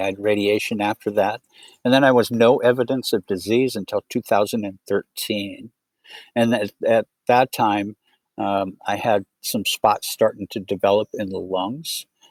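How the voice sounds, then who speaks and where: Here a man with an American accent speaks at a fairly slow pace and a fairly low pitch. The sound is dry and close with no echo, a very clean recording with a silent background. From US Midwest (South Dakota). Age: 60s. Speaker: cancer patient and motorcycle traveler. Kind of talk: interview testimony. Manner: halting.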